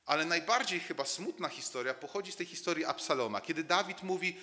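A man's voice: fairly high pitch, lively intonation, quick pace, bright, forceful tone, in a large hall. A man preaching a sermon in a church, telling the story dramatically, dropping to a near-murmur and rising again, often repeating words as he builds a point.

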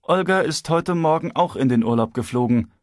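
A man's voice: a little high, animated, moderate pace, no room sound, studio quality, voice pushed up, close to an everyday voice. A man voicing a sly, commanding older male boss who talks breezily and takes agreement for granted. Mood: breezy. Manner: breezy, brooks no refusal.

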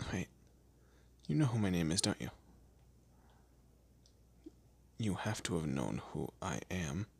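A man acts out a scared young captive of a vampire in an audio roleplay. His voice is very husky and breathy, and he speaks slowly and haltingly, stammering as he pleads. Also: on the low side, a bit bright, heavily acted. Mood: confused, wary. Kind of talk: amateur audio roleplay drama, one-sided dialogue.

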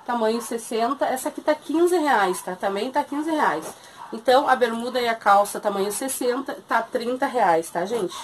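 A woman's voice: on the high side, animated, moderate pace, slight background noise. A woman in her thirties with a southern Brazilian accent, chatting casually as she shows and prices secondhand clothes in a small shop. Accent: southern Brazilian Portuguese. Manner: chatty, keeps calling viewers "gente". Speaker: thrift shop seller. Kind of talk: casual sales video.

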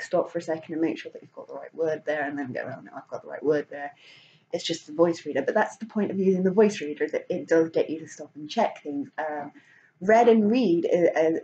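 A woman's voice: fairly low pitch, dark tone. Rambling woman vlogger, lo-fi. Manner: rambling, many fillers and restarts, laughs often. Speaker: vlogger and author. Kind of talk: casual chat.

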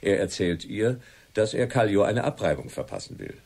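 A confident crime writer in a radio drama. The voice is low and husky, with lively swings of pitch. He sets out his theories in a deliberate, theatrical way. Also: full character voice. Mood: musing, dramatic. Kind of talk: German radio play acting.

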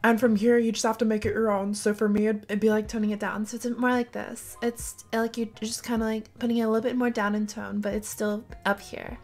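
A man doing an impression of a bubbly young valley-girl woman, energetic and playful. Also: sits high, a little fast, few pauses, faint music behind, voice pushed up. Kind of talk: voice impression demo.

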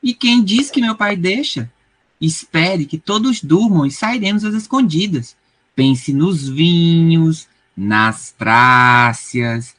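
Man as boastful Brazilian teen prince, audio drama. Drawn-out, swooping delivery, slight noise. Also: a little high, expressive, fairly bright tone, heavily acted. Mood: boastful, scheming. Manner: playful, boastful. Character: cocky teenage prince, dreamy girl-chasing schemer. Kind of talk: comedic audio drama acting.

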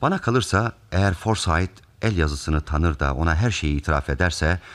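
An actor playing a calm, methodical detective who explains a case deliberately in a radio theatre mystery. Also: male voice, sits low. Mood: grave, reasoning.

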